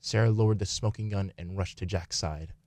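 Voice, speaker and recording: A man's voice: low-pitched, fairly quick, darkish tone, slight background noise. A man reading scripted story narration as the narrator of a radio play.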